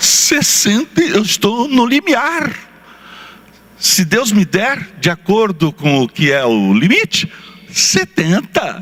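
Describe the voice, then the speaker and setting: A man at a high pitch with very wide pitch swings, very even loudness, and a very slow pace, over noticeable background noise. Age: 60s. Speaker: pastor. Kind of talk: sermon. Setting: church.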